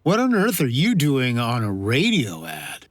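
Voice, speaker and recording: Man acting incredulous listener, wildly swooping pitch. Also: wildly swooping pitch, unhurried, fairly bright tone, dry recording, clean studio sound. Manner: exclaiming, disbelieving. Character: incredulous, exasperated radio listener heckling ads. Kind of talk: acted aside in audiobook.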